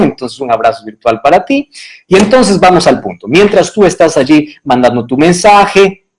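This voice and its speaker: Animated pastor livestreaming to viewers. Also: male voice, mid-range voice, low-quality recording. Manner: animated, addresses viewer directly with frequent checks; spells out web address and numbers slowly.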